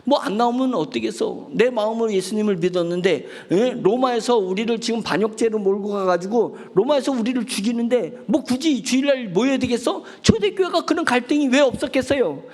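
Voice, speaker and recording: A man's voice: extremely high pitch, lively intonation, fairly quick, few pauses, darkish tone, big-room sound. A man pastor preaching a sermon, asking questions and acting out pleading prayers. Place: church sanctuary.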